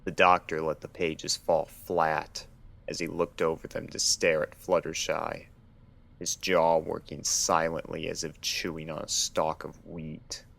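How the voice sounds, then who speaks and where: Man, low pitch, story narrator, scripted fiction reading. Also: completely flat delivery, unhurried, creaky, fairly bright tone.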